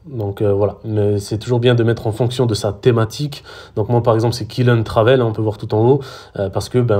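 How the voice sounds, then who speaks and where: A man's voice: lowish voice, dark tone. A man from France, giving a casual social media tutorial with lots of fillers and restarts. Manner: hesitant, many fillers and restarts. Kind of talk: casual screen-recorded tutorial.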